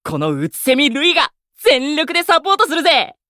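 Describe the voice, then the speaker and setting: A man's voice: extremely high pitch, wildly swooping pitch, fairly quick, sharp tone, no room sound, studio quality, full character voice. A man playing a hot-blooded, boastful young idol with exuberant, theatrical bravado in an anime-style audio drama. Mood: fired up.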